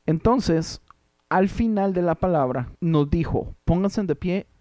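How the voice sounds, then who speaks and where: A Costa Rican man in his thirties chats on a podcast in an animated, slangy, joking way. His voice sits a touch high for a man. The sound is close and dry, with no room in it. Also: slow, no echo. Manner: animated, slangy, self-mocking. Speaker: podcast co-host, worship leader. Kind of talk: casual chat.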